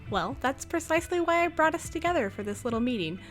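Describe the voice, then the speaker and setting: A woman's voice: high voice, lively intonation, fast talker, soft background music. A woman playing a gracious, encouraging school leader in an audio drama, speaking politely and rather formally.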